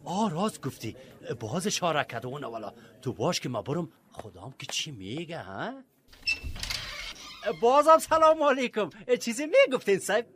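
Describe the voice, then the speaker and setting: Very high-pitched, wheedling villager. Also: male voice, big pitch swings, a bit bright, heavily acted. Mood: teasing. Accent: Afghan. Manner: wheedling, chatty, over-polite. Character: cheeky, ingratiating simple village man, naive. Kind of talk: comic radio drama acting.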